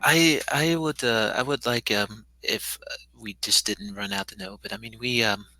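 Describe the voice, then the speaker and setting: A man playing a tabletop game, talking through tactics casually in a hesitant, halting way. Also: medium pitch, expressive, vocal fry, sharp tone, no room sound, rough recording.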